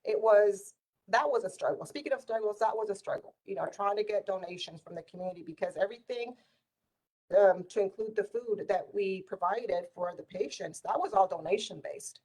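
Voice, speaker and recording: A woman's voice: medium pitch, brisk, rough recording. Middle-aged woman telling stories casually. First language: Spanish. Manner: animated retelling with quoted dialogue. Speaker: community volunteer sharing life stories. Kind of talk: casual conversational storytelling.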